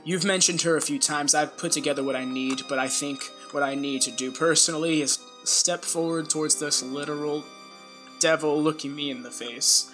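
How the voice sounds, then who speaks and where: A woman narrating a tabletop game as game master, chatty and quick to laugh. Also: deep voice, fairly even intonation, a bit bright, soft background music. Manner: chatty, laughs easily, rambling.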